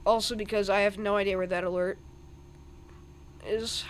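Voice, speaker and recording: A man's voice: high voice, little pitch movement, moderate pace, slight background noise. Rambling young man narrating radar live. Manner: rambling, thinking aloud over radar. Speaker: weather streamer. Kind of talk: live-stream weather commentary.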